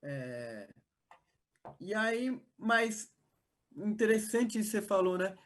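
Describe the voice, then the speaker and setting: An interviewer, asking questions gently with hesitations and fillers. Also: mid-range voice, very animated, takes it slowly. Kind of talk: oral history interview.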